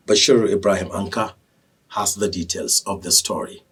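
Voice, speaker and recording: A Nigerian man reading scripted television news as anchor, in a formal, measured manner. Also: deep voice, fairly even intonation, a bit bright, husky, far from the mic.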